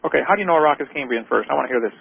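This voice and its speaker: A man's voice: mid-range voice, lively intonation, very fast, gravelly, slightly rough, no room sound. A man hosting a call-in radio show, arguing with a caller in a lecturing way and firing off rhetorical questions. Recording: tinny phone-line radio audio.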